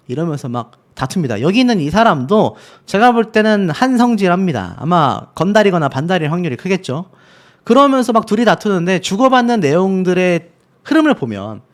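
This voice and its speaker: A man hosting a news commentary channel, talking viewers through video clips step by step in a casual, conversational way. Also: sits high. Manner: talks the viewer through clips step by step, leading each point with an aside.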